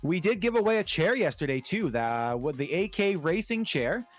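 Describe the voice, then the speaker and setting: A man casting an esports tournament in a relaxed, chatty way, full of fillers. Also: sits high, moderate pace, faint music behind. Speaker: esports caster.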